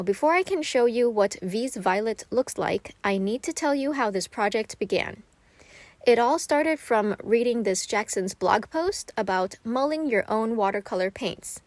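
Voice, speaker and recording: A woman's voice: a little high, no echo. Upbeat woman narrating a craft video. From Thailand. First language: Thai. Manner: chatty and upbeat, with a little self-deprecating humor. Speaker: art channel creator.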